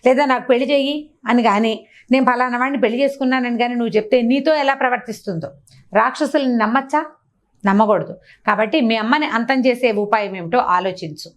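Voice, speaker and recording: A woman's voice: a little high, a little fast, close to an everyday voice. A woman storyteller voicing an earnest young man, urging his bride in a persuading way. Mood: urgent.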